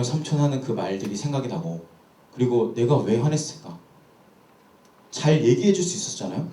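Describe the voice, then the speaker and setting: A man's voice: medium pitch, dark tone. A young man, a pastor, telling a personal story in a sermon with candid, self-questioning storytelling. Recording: echoey church hall.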